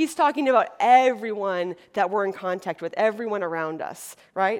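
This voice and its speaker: In an American accent, an unremarkable speaking voice moves at a moderate pace with lively intonation on a very clean recording with a silent background. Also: woman. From US Midwest, Wisconsin. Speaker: pastor. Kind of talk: sermon.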